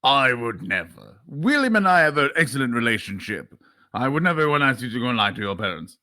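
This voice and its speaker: A man's voice: mid-range voice, sing-song, fast, sharp tone, no echo, studio quality. A man voicing a boisterous middle-aged Texan father who puts on a posh English voice, folksy and overbearing. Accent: Texan over put-on English.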